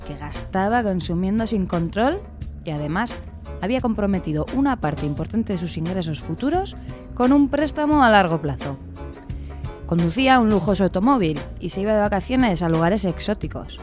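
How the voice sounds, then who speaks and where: A woman playing a calm passenger who tells a cautionary tale in a measured storytelling style in a radio play. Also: medium pitch, close to an everyday voice.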